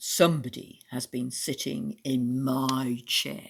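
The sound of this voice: A put-on character voice, gruff and growling, low-to-middle in pitch, at a fairly slow pace.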